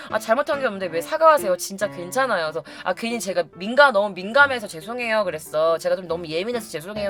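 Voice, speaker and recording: A woman's voice: lowish voice, a bit bright. A woman casually telling a funny story to her viewers, acting out other people's lines and laughing often. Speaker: YouTube storyteller.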